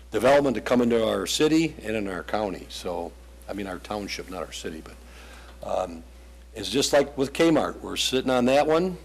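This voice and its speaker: A man's voice: on the low side, breathy edge. A man presenting as a property developer at a township planning meeting, casual and rambling.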